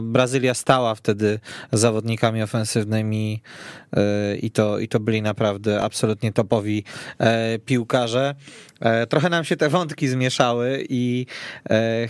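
A man's voice: mid-range voice, smooth, no echo, studio quality. A man hosting a football radio discussion, introducing topics to his guests. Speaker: host. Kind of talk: moderating a sports radio discussion.

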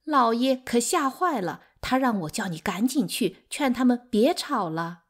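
A woman's voice: a little high, expressive, a little slow, pitched above the performer's own voice. A woman voicing a flustered, gossipy maidservant in an audiobook, urgent and tattling. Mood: alarmed. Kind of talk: audiobook character acting.

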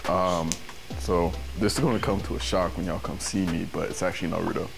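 A man's voice: low voice, steady tone, fairly quick, vocal fry. A young man chatting casually and politely as a dating show contestant in a studio, a bit apologetic. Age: young adult. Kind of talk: casual, unscripted chat. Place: white studio.

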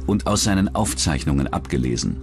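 A man's voice: extremely low pitch, animated, brisk, darkish tone, faint music behind. A man narrating a true-crime documentary from a script.

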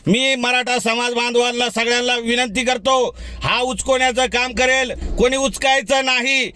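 Defiant bright-voiced man. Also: extremely high pitch, steady tone, normal speed, clear, resonant tone, dry recording. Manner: defiant, heated, direct address. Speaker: community activist. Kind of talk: fiery video rebuttal.

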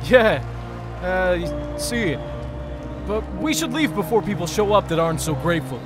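A man's voice: sits high, expressive, normal speed, over music. A man playing a young, confident, urgent hero leading his team in an audio drama. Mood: casual.

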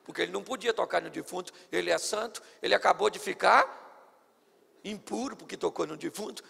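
Playful pastor preaching with a bright, edgy voice in a church with long reverb. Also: male voice, high voice, brisk, gravelly, slightly rough. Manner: theatrical, playful. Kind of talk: sermon. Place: church service.

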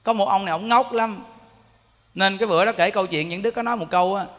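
In an echoey temple hall, a Buddhist monk gives a sermon, telling a story and frequently asking the audience questions. His voice is high and a bit bright, at a quick pace.

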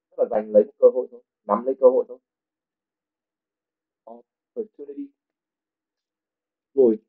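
Man teaching vocabulary over a tinny line. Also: medium pitch. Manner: reads English passages, then translates and explains each word. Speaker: English teacher. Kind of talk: reading a novel aloud and explaining vocabulary. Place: livestream at home. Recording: phone-like narrow sound.

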